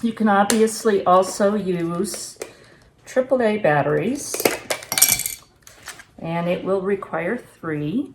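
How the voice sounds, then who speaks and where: A woman in her sixties, a homesteading vlogger, talks unscripted to camera in her home kitchen, reviewing gear and giving practical advice in a plain-spoken, reflective way. Her medium-pitched voice is slow with long pauses, over a noisy background.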